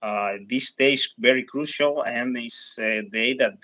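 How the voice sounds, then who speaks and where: A man with a Hispanic accent, a native Spanish speaker, giving live election results commentary as a livestream host, often halting and searching for words. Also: mid-range voice, bright, forceful tone, no room sound.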